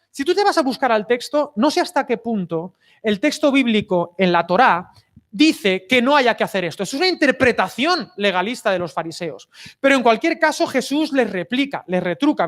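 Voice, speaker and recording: A man's voice: very high-pitched, fairly bright tone. A man preaching a sermon, telling anecdotes and putting rhetorical questions to his listeners. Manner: storytelling, asks the audience rhetorical questions. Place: open-air summer cinema.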